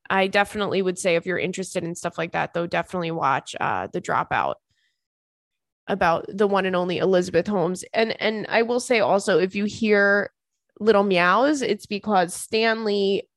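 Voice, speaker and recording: A woman's voice: mid-range voice, no echo, clean studio sound. A young woman hosting a casual solo podcast, sounding congested from crying, chatty and joking with a self-deprecating streak. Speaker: podcast host and stand-up comedian.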